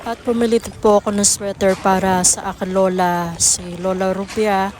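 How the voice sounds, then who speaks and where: Casting: Filipino woman, mid-pitched, casual vlog narrator, clearly noisy recording. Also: level tone, moderate pace, a little mellow. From Philippines. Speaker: family vlogger.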